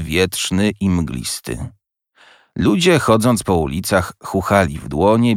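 Male audiobook narrator, low voice, expressive, dry sound. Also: no room sound. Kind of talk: scripted narration.

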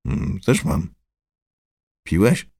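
A man's voice: deep voice, big pitch swings, extremely slow, gravelly, a little mellow, breathy edge, no echo, clean studio sound, exaggerated voice. A man voicing an arrogant, domineering middle-aged man who gives orders in a haughty, sardonic way. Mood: commanding.

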